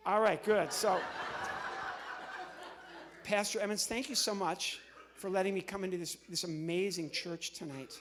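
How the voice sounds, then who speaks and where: A middle-aged American man performs as a stand-up comedian with a high-pitched voice. He chats to the audience in a halting way, breaking into his own sentences. The live stage recording carries noticeable noise. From Midwestern United States. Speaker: comedian and entertainer. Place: on stage in a large church hall.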